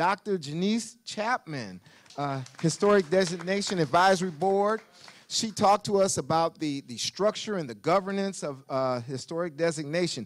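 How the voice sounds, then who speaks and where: A man with a high voice speaks at a moderate pace, his tone animated and his intonation lively. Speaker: city council staffer and event emcee; city council staffer, event emcee. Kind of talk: town hall moderation. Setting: meeting hall with live audience. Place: hall. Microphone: podium.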